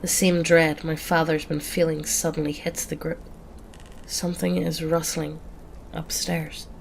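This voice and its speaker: Low, gravelly woman narrating horror. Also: little pitch movement, measured pace, a little hiss or hum. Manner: casual, profane storytelling. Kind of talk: scripted horror story narration.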